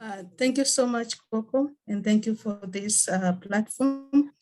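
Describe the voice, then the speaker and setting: A woman's voice: a little high, measured pace, over music. Earnest Tanzanian woman at a meeting. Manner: earnest, with fillers and restarts. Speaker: NGO worker. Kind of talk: online meeting remarks.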